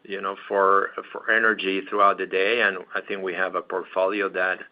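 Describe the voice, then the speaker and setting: A man answering questions as a company executive on an earnings call, speaking haltingly with pauses and repeated words. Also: low voice, level tone. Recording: dull, muffled conference call audio.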